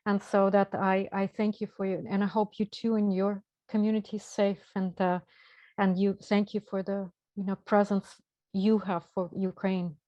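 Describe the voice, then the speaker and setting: A woman's voice: medium pitch, level tone, moderate pace, dry recording. A woman making earnest remarks in a discussion over a lo-fi video call. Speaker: discussion participant. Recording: dull, lo-fi video call audio.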